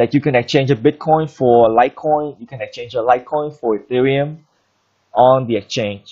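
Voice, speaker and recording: This man uses an ordinary speaking voice with fairly even intonation. His loudness swings in big ways. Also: medium pitch for a man, moderate pace. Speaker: crypto video host. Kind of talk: tutorial.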